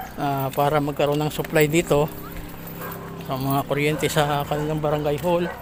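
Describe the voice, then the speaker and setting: The speaker talks at a moderate pace with monotone, flat intonation over noticeable background noise. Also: man, fairly high pitch for a man. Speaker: vlogger. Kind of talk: walking travel vlog narration. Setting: outdoors, walking through town. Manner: casual, rambling with many fillers.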